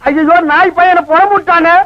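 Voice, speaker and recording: A man's voice: very high voice, steady tone, moderate pace, no room sound. A man playing a comic villager, talking in a deferential, polite way. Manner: deferential, ends lines with polite -nga. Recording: dull dry lo-fi film soundtrack.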